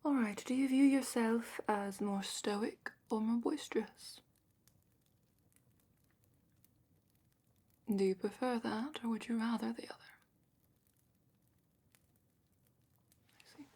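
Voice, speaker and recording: A woman playing a calm, probing dragon-academy examiner in a whispered ASMR roleplay, speaking softly and deliberately with thoughtful pauses. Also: fairly high pitch. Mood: probing, appraising. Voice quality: soft, breathy whisper.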